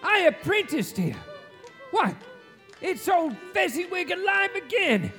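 Male actor as old miser, nostalgic, emotional, slow delivery, radio drama, reverberant hall with music. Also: very high-pitched, sing-song, pushed and bright, exaggerated voice. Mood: delighted. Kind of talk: stage radio play acting. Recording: live stage recording, reverberant hall, music underneath.

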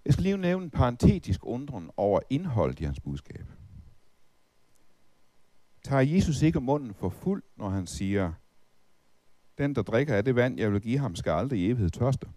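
A middle-aged man preaching with a mellow, warm tone and a lively, swinging pitch. He asks the listeners one rhetorical question after another. The recording is dry and close, with no room sound. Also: dry recording. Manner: lively, rhetorical questions, recites hymn verses. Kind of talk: Bible teaching talk.

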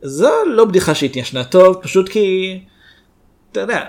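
A man co-hosting a film podcast, talking in a measured, hesitant way with pauses. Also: high-pitched, expressive, a little mellow. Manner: measured, hesitant, many fillers. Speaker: podcast co-host. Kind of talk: casual film chat.

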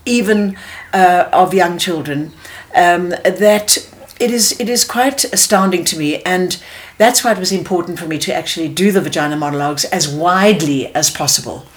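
A woman's voice: fairly low pitch, moderate pace. A middle-aged woman with a South African accent, answering an interview question in an earnest, passionate way with frequent restarts. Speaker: theatre producer.

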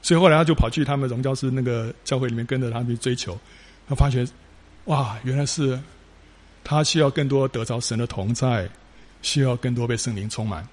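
A man's voice: mid-range voice, brisk. A man preaching a sermon, telling stories with rising emphasis and frequent filler particles.

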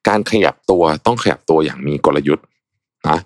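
A young man hosting a podcast, giving relaxed, conversational advice on public speaking with frequent polite particles. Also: rumbling low, a little fast, no echo, clean studio sound. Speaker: podcast host. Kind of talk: casual advice talk.

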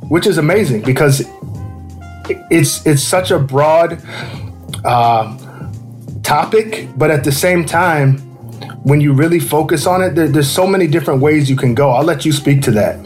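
A man's voice: on the high side, moderate pace, darkish tone, faint music behind. A man hosting a casual podcast interview, friendly and enthusiastic, with frequent fillers. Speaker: podcast host.

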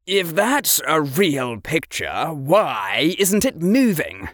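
Male reader doing a proud wizard boy, shaken, wavering, raised pitch, slow. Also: sing-song, fairly bright tone, no room sound, studio quality, heavily acted. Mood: awed, shaken. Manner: wavering, whispering in awe.

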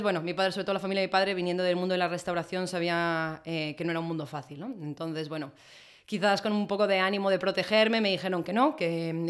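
A woman in her late twenties speaks as a guest in an interview. She has an accent from Spain and a slightly low voice. She talks conversationally and very quickly. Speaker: podcast guest, chef.

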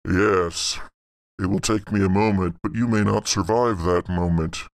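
A man voicing a sinister patrician villain in a tabletop horror game, with a slow, deliberate, menacing delivery. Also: sits low, steady tone, heavy background noise, voice pushed down. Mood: calm menace. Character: sinister patrician gore-covered man freshly emerged from another's body.

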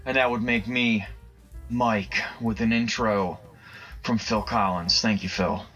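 A man's voice: on the low side, steady tone, a little slow, a bit bright, highs cut off, faint music behind. A man co-hosting a comedy podcast, rambling through silly paranoid tangents with plenty of swearing and laughter. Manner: rambling, profane, laughs often. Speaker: podcast co-host. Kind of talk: casual comedic chat.

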